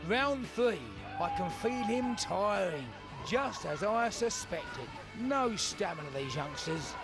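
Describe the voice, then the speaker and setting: A man with a high pitch for a man and very wide pitch swings, at a very slow pace, with music in the background. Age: 70s. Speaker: amateur boxer. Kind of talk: TV feature narration and talk.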